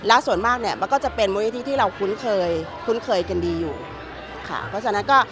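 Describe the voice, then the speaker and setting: A woman's voice: mid-range voice, lively intonation, over music, a crowd in the background. A middle-aged woman event organizer answering interview questions matter-of-factly, often restarting her words, into press mics in an indoor hall. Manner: fast, matter-of-fact, with repeated restarts. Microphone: several handheld press mics.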